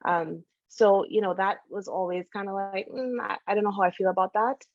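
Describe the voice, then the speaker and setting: A middle-aged woman from Trinidad and Tobago chats casually as an interview guest, often pausing on "you know." Her voice has a noticeable fry. The sound is dry and a little dull, like a modest home setup. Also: medium pitch, fairly even intonation, dry recording. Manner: chatty, many "you know" fillers. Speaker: guest, doctor and founder.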